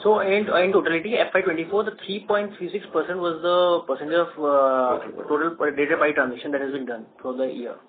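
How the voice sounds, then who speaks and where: A man's voice: on the high side, fairly even intonation, brisk, hardly any pauses. A man with an Indian accent, a company executive answering financial questions on a telephone conference call. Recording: noisy narrow phone line.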